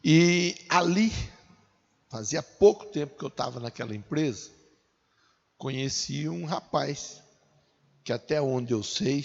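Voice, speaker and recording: A man's voice: mid-range voice, vocal fry, a little mellow. A Brazilian man in his forties preaching a sermon in a conversational way, asking his listeners rhetorical questions. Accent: Brazilian Portuguese. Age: 40s. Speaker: pastor. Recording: dull, echoey hall.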